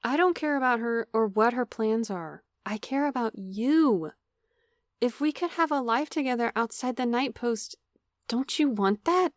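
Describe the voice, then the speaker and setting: A devoted, apologetic woman in an audio drama. Her voice is high and earnest, with careful, formal wording. The sound is close and dry. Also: expressive, a little slow, dry recording. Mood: pleading. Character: remorseful, devoted young woman pleading for forgiveness.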